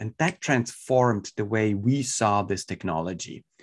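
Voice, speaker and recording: A man with a Swiss accent, a quiet background, and a dry, close sound with no echo. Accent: Swiss-European accent in English. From Switzerland. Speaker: drone industry executive. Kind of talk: interview. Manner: enthusiastic.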